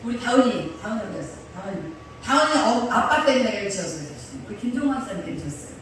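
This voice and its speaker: A woman pastor preaches in a storytelling style, animated and full of laughter, slipping into the voices of the people she describes. Her voice echoes heavily around the church sanctuary. The mic sits well away from her, with faint noise underneath. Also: mid-range voice, racing, distant mic. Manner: animated storyteller, often laughing and acting out quotes. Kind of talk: sermon with personal stories.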